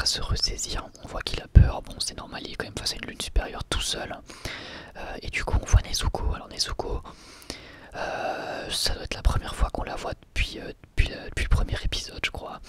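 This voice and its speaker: An ASMR reviewer speaking informally in a halting, hesitant way, close to the microphone, in an episode review. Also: medium pitch, a bit bright.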